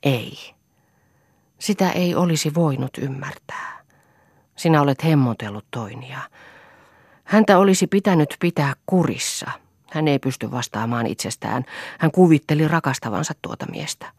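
A woman voicing a gentle female friend who speaks softly and soothingly, in an audiobook. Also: sits low, animated, husky, dry recording, clean studio sound, heavily acted. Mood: consoling. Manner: soft, soothing.

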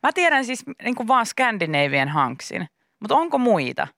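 Lively young woman telling a story. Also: on the high side, no echo, studio quality. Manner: animated storytelling, laughs often. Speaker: radio show host. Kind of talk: casual radio chat. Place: radio studio. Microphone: studio microphone.

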